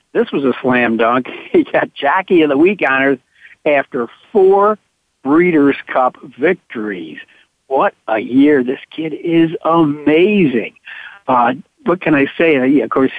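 Slightly hoarse man on a tinny phone line. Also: medium pitch, no room sound. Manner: halting, full of uh fillers, enthusiastic about winners. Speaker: radio show host. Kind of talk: horse racing talk radio. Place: at home on a farm.

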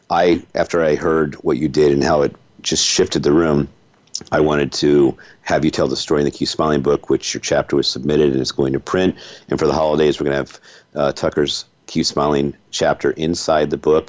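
A man with an extremely low voice hosts a conversational interview. The audio is a little dull and very dry. He speaks effusively, offering compliments as he leads his guest along. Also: darkish tone, dry recording. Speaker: interview host.

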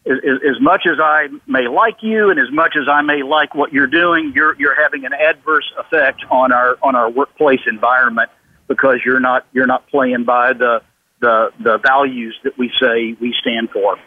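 A man's voice: medium pitch, steady tone, moderate pace, dry recording, phone-quality sound. A man giving a conversational radio interview as an expert guest, emphatic, often repeating words and acting out quoted remarks. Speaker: interview guest, business author and consultant.

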